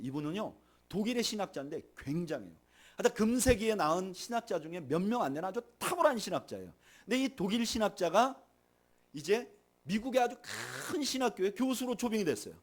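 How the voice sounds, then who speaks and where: Animated Korean pastor preaching. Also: male voice, high-pitched. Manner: animated preaching, rising loud on emphasis then dropping soft; leads the congregation in reading aloud. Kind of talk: sermon.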